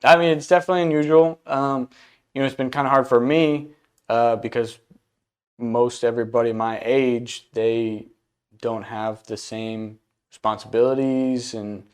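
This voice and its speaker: A man's voice: mid-range voice, fairly even intonation, normal speed, clean tone. A man in his twenties who runs an event rental business, talking casually in an interview, laid-back and a little hesitant. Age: 20s.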